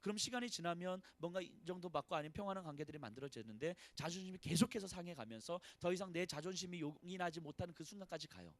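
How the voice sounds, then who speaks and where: A male pastor preaching at a church service, swinging between loud pleading and hushed, sorrowful lament, often speaking prayers of complaint in the first person. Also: high voice, fast, hardly any pauses, no room sound. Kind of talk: sermon.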